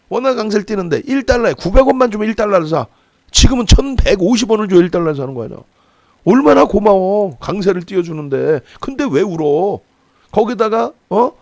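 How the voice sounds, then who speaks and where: A middle-aged man with a high, gravelly voice hosts a stock market channel, lecturing about currency and stocks. He throws out rhetorical questions in a lively, scolding manner. The recording is dry.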